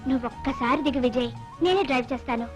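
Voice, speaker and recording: A woman's voice: sits high, very fast, lightly acted. An actress playing a mischievous young woman who teases and fools her lover in a film scene. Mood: teasing. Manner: teasing, coaxing. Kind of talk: 1980s Telugu film dialogue. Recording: film soundtrack with music.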